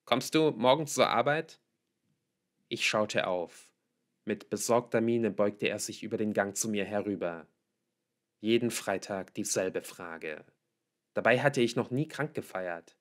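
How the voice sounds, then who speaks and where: A man's voice: on the low side, a little slow. A man reading a novel aloud as scripted audiobook narration. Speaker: audiobook reader.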